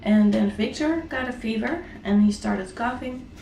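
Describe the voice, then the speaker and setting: A woman in her thirties with a Dutch accent, a mom chatting casually through a home vlog, her voice raspy from a sore throat and her talk full of fillers and restarts. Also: fairly high pitch, normal speed, dark tone, echoey room, slight background noise, poor audio. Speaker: vlogger, mom. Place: apartment kitchen.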